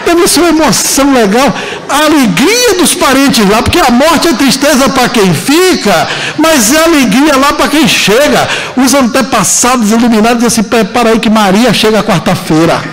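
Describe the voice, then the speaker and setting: A man with a Brazilian Portuguese accent lectures a live audience in an auditorium. His voice sits high and leaps all over the place as he stresses his points, slowing into long dramatic pauses between jokes. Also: expressive, a bit bright, poor audio. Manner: emphatic, joking, drawn-out dramatic pauses. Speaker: seminar lecturer.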